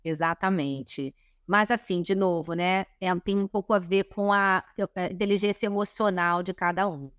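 A woman's voice: lowish voice, steady tone, normal speed, hardly any pauses, smooth, dry recording, clean studio sound. A woman hosting a podcast interview, chatty and affirming, often nodding along with short agreements. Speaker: podcast host. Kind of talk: casual interview.

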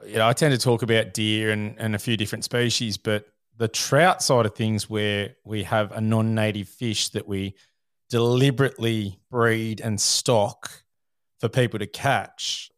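A low-pitched man hosts a podcast in an easygoing, conversational way, summing up his guest's points. The recording is dry and close to the mic. He sounds relaxed and friendly as he reflects aloud. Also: measured pace, no room sound. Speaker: podcast host. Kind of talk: casual podcast chat.

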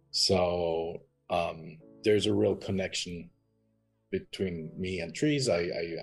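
A man's voice: low-pitched, rough recording. A middle-aged man from Austria, telling his story as a podcast guest in an earnest, rambling way with many ums. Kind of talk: interview conversation.

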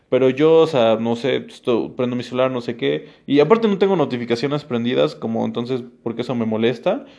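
A man talks through a casual podcast monologue. He thinks out loud and circles back on himself, with constant fillers. He keeps checking in with the listener through little tag questions. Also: mid-range voice. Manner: rambling, heavy on fillers, thinking aloud; addresses the listener directly with frequent tag questions. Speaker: podcast host.

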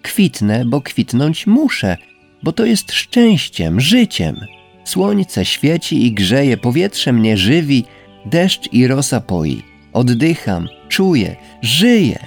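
Man doing a gentle dreamy rose. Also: medium pitch, very animated, takes it slowly, vocal fry, voice pushed up, exaggerated voice. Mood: earnest. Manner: soft, wondering, tender. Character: gentle dreamy female rose, humble and joyful. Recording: faint background music.

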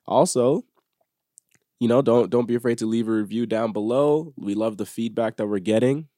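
A man's voice: medium pitch, normal speed, mellow, dry recording, clean studio sound. A man co-hosting a podcast in casual chat, laid-back and joking, often restarting his sentences. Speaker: podcast co-host.

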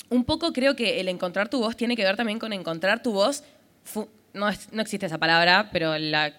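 A woman's voice: mid-range voice, fairly bright tone. A woman with a Rioplatense accent hosting a live podcast on a festival stage, talking in a rambling way full of fillers. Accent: Rioplatense Spanish. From Argentina. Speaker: podcast host.

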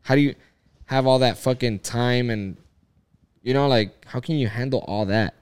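A man's voice: medium pitch, moderate pace, darkish tone, smooth. Rambling, foul-mouthed man in his thirties. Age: 30s. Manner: rambling, heavy swearing and filler words. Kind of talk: casual chat.

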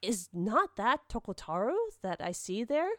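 Casting: courteous old priest for a folktale, measured and ceremonious woman narrator playing him, dry recording. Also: mid-range voice, expressive, dry recording, close to an everyday voice. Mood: concerned. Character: genial old temple priest, courteous and shrewd. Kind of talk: dramatic storybook reading.

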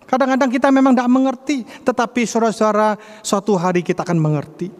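A male preacher delivering a sermon, swinging dramatically between soft reflection and loud urging. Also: very high voice, fairly even intonation, quick pace, long reverb tail.

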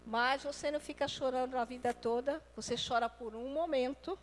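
High-voiced woman preaching in a hall. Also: moderate pace. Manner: acts out quoted voices, swings loud and soft. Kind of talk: lively sermon.

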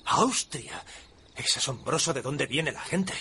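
An earnest frontier preacher in a dubbed drama. His voice has a middle pitch and stammers gently. Steady ambient noise sits behind him. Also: unhurried, exaggerated voice.

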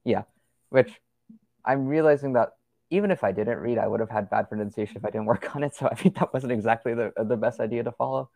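A man's voice: medium pitch, fast, vocal fry, mellow, no echo. A young man as a podcast guest, chatting casually and rambling with lots of fillers and restarts. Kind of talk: casual conversational interview.

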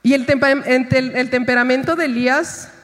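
A woman's voice: high-pitched, steady tone, normal speed, fairly bright tone. A woman pastor preaching a sermon, retelling a scripture story and acting out its voices. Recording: long reverb of a hall.

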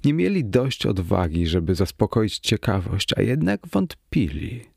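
A man with a low, gravelly voice reads a first-person horror tale with mounting tension. The sound is close and completely dry, with no room around it. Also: a little slow, no echo. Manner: tense, expressive, rising to cries in the quoted lines. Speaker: audiobook narrator. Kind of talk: dramatic reading of a first-person horror story.

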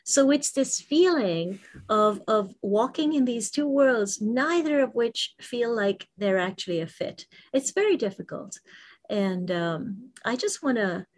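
A woman's voice: a little high, animated, measured pace. A woman co-hosting a casual panel chat, talking in a reflective, emphatic way. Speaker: co-host.

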